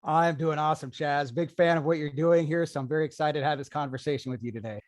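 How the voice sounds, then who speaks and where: A man being interviewed as a business owner, upbeat and promotional, explaining his services briskly. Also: fairly high pitch, steady tone, dry recording, studio quality. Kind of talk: interview answers.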